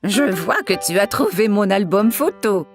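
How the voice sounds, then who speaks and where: A woman voicing a kind, nostalgic grandmother in a children's cartoon, gentle and encouraging. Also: medium pitch, expressive, a little slow, faint music behind, close to an everyday voice.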